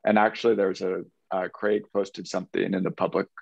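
A man with a low, gravelly voice rambles through his point in a casual group call, often leaning on "like." The sound is dry and close, with dull lo-fi call audio. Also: flat delivery, a little fast, dry recording. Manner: rambling, uses "like" often, apologetic. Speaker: meetup participant.

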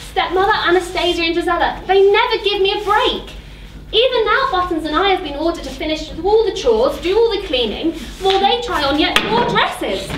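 A young woman playing a kind, weary, put-upon servant girl in an amateur stage pantomime. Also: very high-pitched. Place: theatre stage before an audience. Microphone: distant camera in the audience. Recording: echoey hall, noisy, far from mic.

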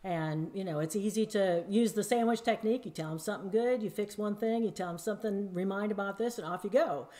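A veteran woman music teacher talks on a video call from her home office, her pitch sitting in the middle of the range. She speaks emphatically and plainly, like someone who has spent decades running rehearsals. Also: fairly quick, hardly any pauses, mellow. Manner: emphatic, folksy teacher talk. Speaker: music educator panelist. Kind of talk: video call panel discussion. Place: home office with shoji screen. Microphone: video call webcam.

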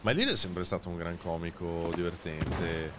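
A man's voice: low-pitched, normal speed. Chatty Italian-speaking male streamer, noisy background. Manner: relaxed, chatty, swears casually. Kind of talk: casual gaming chat.

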